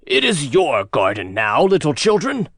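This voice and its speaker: A man voicing a gentle, fiercely protective giant in a fairy tale, with slow, drawn-out, emphatic words. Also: on the high side, huge pitch swings, slightly rough, no echo, studio quality, full character voice. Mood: kindly. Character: gentle giant, male, huge, big-hearted, fiercely protective. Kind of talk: storybook character voice in narrated fairy tale.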